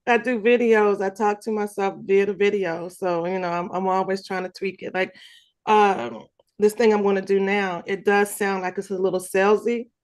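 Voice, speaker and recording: Woman participant, relaxed giggly advice on a video call. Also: medium pitch, moderate pace. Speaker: participant sharing tips. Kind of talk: casual video call chat.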